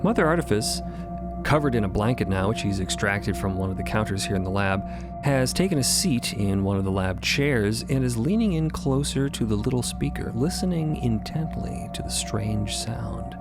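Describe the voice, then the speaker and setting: A man's voice: fairly low pitch, animated, moderate pace. Man narrating fantasy fiction over music. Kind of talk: dramatic scripted-sounding storytelling. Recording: music behind the voice.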